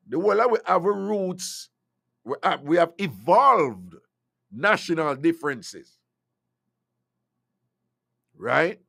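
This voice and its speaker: A man's voice: fairly high pitch, vocal fry, fairly bright tone, no echo, clean studio sound. A Jamaican man hosting a call-in radio talk show, opinionated and slipping into patois.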